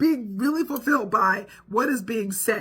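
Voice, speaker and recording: A woman speaks in a fairly high, somewhat breathy voice. Her intonation is lively. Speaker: devotional video host. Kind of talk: casual devotional talk. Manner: slurred speech; low energy.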